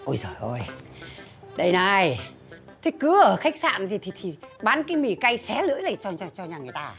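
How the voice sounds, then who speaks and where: A woman's voice: mid-range voice, huge pitch swings, a little fast, fairly bright tone, faint music behind. An actress playing a stubborn, bossy old grandmother, grumbling and scolding as she talks. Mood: complaining. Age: older. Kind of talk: TV drama acting.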